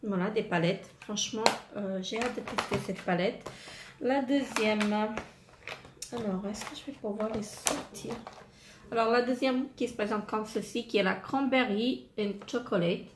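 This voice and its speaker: A woman's voice: medium pitch, a little slow. A woman presenting makeup palettes in a casual unboxing vlog, hesitant and full of fillers and repeated words. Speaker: beauty vlogger. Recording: echoey room, faint noise. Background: wind noise.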